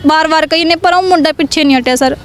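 Urgent, very high-voiced young woman. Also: quick pace, a little hiss or hum. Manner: urgent, aggrieved, repeats herself. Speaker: interviewee, complainant. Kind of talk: emotional interview testimony.

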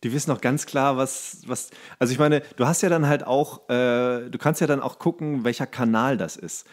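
A male podcast host with a medium-pitched voice chats casually. He thinks out loud in long, rambling turns and slips English slang into his talk. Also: normal speed. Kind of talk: casual chat.

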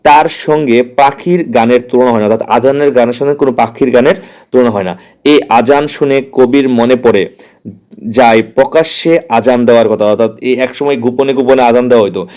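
A man's voice: mid-range voice, fairly quick, a little mellow, smooth. Man teaching a poem. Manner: explains each word, repeats and asks the class questions. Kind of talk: poetry lesson explaining lines.

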